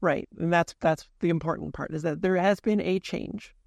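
A host analyzing a film in deliberate video essay narration, then chatting casually with a guest. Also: mid-range voice, gravelly, dry recording, studio quality. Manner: deliberate, analytical, reads out timestamps.

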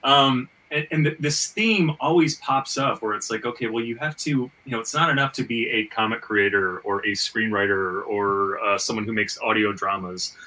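A man with a sharp, bright voice hosts a casual panel discussion. He works through his points aloud, often doubling back and stammering on small words. He sounds a little removed from the microphone. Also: lowish voice, normal speed, hardly any pauses, far from the mic, low-quality recording. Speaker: podcast host; screenwriter and fiction writer. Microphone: video call.

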